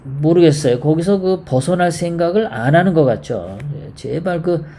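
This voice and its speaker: A host giving live political commentary, rambling and halting, often putting rhetorical questions to the viewers. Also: mid-range voice, lively intonation, warm tone. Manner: halting, many fillers and repeats.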